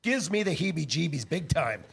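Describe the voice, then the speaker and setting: A man playing a goofy, excitable, sentimental driver in a staged comedy reading. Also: a little high, moderate pace, creaky, breathy edge, exaggerated voice. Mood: gleeful, cocky.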